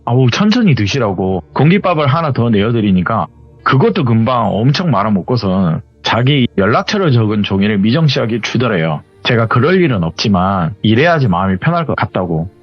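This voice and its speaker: Lively male horror storyteller. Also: lowish voice, fairly quick, dry recording. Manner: animated, conversational retelling. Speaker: horror story radio host. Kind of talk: storytelling narration. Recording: slightly dull audio with faint music.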